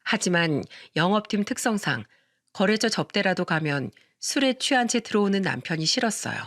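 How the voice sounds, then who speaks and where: A woman's voice: mid-range voice, lively intonation, moderate pace, fairly bright tone, no room sound, clean studio sound. A woman narrating a first-person radio story in a conversational tone, often turning to her listeners with questions.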